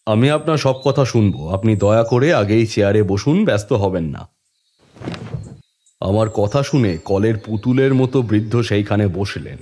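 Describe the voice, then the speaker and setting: An actor playing a calm, authoritative police inspector who narrates his own case in a dramatised detective story, measured and composed. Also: lowish voice. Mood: calm, official. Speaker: story reader and lead actor. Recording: long reverb, music bed behind.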